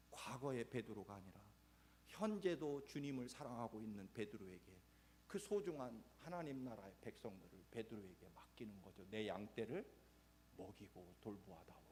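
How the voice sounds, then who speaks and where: A man's voice: mid-range voice, darkish tone, a little hiss or hum. A male pastor preaching a sermon in a church, speaking earnestly and addressing the congregation directly.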